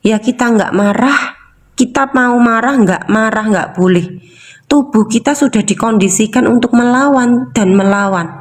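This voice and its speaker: Woman coach, casual talk, fairly high voice, keeps asking rhetorical questions. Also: normal speed. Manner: repetitive, asks rhetorical questions. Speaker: emotional release coach. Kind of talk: casual teaching talk to viewers.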